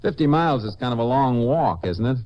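A man playing a calm, shrewd American Texas Ranger, dry and authoritative, in a 1950s western radio drama. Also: mid-range voice, fairly quick, lo-fi sound, lightly acted. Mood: dry, probing. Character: calm, shrewd male Texas Ranger, dryly probing suspects.

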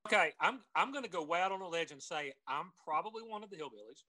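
A man's voice: a little high, expressive, fast talker, sharp tone. A man with a Southern American drawl chatting casually and jokingly as a podcast co-host.

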